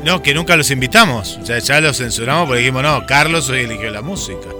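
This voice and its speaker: A man's voice: mid-range voice, expressive, quick pace, over music. A man, co-hosting a radio show and reading listener comments aloud in a playful way. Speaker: radio co-host. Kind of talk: casual radio chat.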